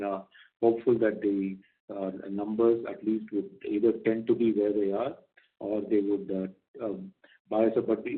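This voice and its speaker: A man with an Indian accent answering as a company executive on an earnings call, measured and guarded, often stammering and repeating words as he goes. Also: on the low side. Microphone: phone or conference call line. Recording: narrow, tinny conference call line.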